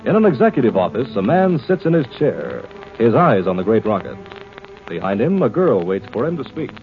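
A man's voice: on the low side, sing-song, fairly quick. A man announcing and narrating a 1950s radio drama in a dramatic, declamatory style. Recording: dull old radio recording. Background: dramatic music.

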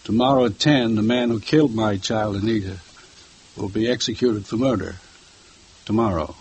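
A man's voice: lowish voice, moderate pace, darkish tone, slightly rough. Older male jeweler, fussy, courteous, stammering, for 1950s radio. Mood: grim, vengeful. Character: old male jeweler, polite, fussy, quietly vengeful. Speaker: jeweler, murdered girl's father. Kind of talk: 1950s radio drama acting.

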